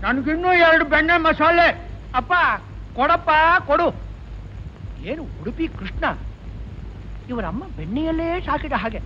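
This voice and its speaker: An actor playing a grumbling restaurant owner, muttering sarcastic asides to himself. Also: male voice, very high voice, lively intonation, brisk, long pauses. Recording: dull old film soundtrack, faint noise.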